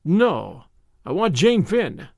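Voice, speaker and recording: Man putting on a young American man, cocky drawl, high lively pitch, cheerfully menacing, audiobook tough guy. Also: slow pace, creaky, no echo, clean studio sound, full character voice. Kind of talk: dramatised audiobook dialogue.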